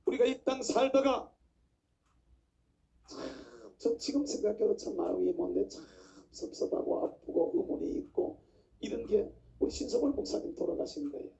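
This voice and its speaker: A man's voice: sits high, lively intonation, normal speed, gravelly, pauses often, warm tone. A male pastor preaching an impassioned, emphatic sermon from the pulpit, full of rhetorical questions. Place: church pulpit. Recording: dull lo-fi recording.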